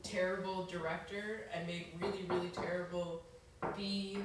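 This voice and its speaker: A woman's voice: on the low side, flat delivery. A young woman co-hosting a casual chat show, giggling and chiming in often. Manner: giggly, quick to agree and chime in. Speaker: co-host. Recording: echoey room, mic far off, noisy.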